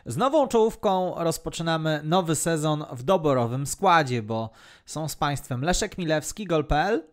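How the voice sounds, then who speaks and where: A man's voice: fairly high pitch, animated, normal speed. A man, narrating as a podcast host in a scripted style.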